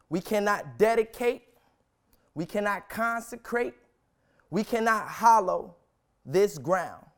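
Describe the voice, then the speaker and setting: High-voiced young man, slow solemn oratory. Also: fairly bright tone, smooth. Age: young adult. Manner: deliberate, emphatic phrasing with long pauses. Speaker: student speaker reciting a historic speech. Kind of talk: solemn dramatic public oratory.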